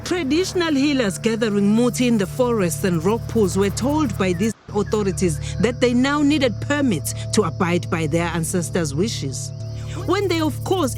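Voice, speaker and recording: An actress playing a grave granddaughter of healers, telling her story in a measured, emphatic way. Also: a little high. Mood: indignant. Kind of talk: dramatic storytelling monologue.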